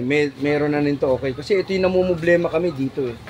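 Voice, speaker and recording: Light background noise accompanies a man speaking at a fairly quick pace. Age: old. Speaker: vlogger; vlogger shopping. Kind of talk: casual vlog narration while shopping. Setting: walking through a store. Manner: rambling, repetitive. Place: shop. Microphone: phone near.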